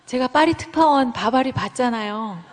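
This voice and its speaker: A woman with a fairly high voice preaches with animated storytelling, acting out the lines of the people in her stories. The sound rings with a long reverb, as in a church hall. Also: moderate pace, a little hiss or hum. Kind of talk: sermon.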